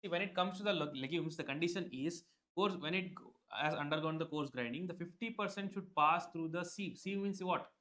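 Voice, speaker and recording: A young man with an Indian English accent and a fairly high voice talks his students through a live online lesson. He leans on "like" as a filler, repeats himself, and calls on viewers by name. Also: fairly quick, hardly any pauses, sharp tone. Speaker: online exam tutor. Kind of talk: live-stream lecture.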